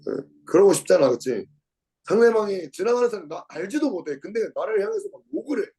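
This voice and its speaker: Teaching a Bible lesson, a man with a husky, sing-song voice moves at a quick pace over a rough recording. He reads aloud with commentary, repeats key words, asks his listeners questions, and dramatizes quotes through abrupt shifts in pitch and volume.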